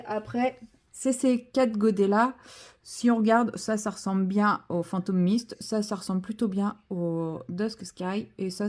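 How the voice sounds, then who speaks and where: Woman vlogging while she paints, warm mellow voice, rambly and self-deprecating. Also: medium pitch. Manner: chatty, self-deprecating, full of fillers and restarts. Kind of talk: casual chat while painting.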